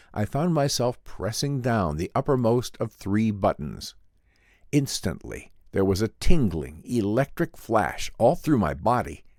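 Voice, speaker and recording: Deep-voiced man, dramatic storybook narration. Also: a little mellow, no room sound, clean studio sound. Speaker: audiobook narrator. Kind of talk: dramatic scripted narration of a vintage sci-fi story.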